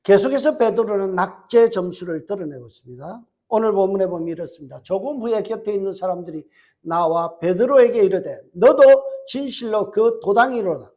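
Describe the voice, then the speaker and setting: A middle-aged male pastor with a Gyeongsang Korean accent, preaching a sermon quickly and putting rhetorical questions to his congregation. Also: high voice, animated, mellow. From Gyeongsang, South Korea. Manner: fast-talking, strong regional accent.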